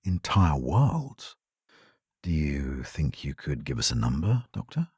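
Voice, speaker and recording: Male broadcast news host, audio drama. Husky, composed, probing, dry studio sound. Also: a bass voice, very animated, slow, darkish tone, no room sound, exaggerated voice. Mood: grave, subdued. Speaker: radio news host and interviewer.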